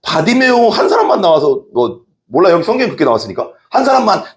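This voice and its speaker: Man, pastor, evening sermon, fairly high voice, very lively pitch, animated storytelling, questions to the congregation. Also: quick pace. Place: church.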